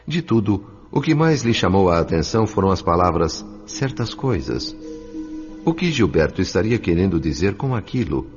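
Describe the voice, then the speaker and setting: A man's voice: deep voice, a little mellow. A man narrating a scripted dramatic story as the narrator of an audio novel. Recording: slightly dull recording over music. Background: music.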